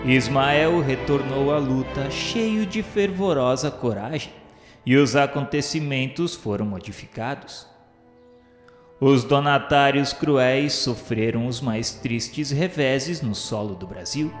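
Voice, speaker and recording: A man with a Brazilian accent reading a solemn radio drama narration in a measured, grandiloquent way. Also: mid-range voice, animated. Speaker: narrator of a religious radio novela. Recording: reverberant hall echo, music underneath. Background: background music.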